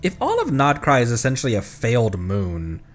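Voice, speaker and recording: A male streamer with an average-pitched voice talks through a video game. He reads on-screen text aloud and comments on it, now and then halting and repeating a phrase. Music plays faintly underneath. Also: wildly swooping pitch. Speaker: streamer, host of a gaming livestream.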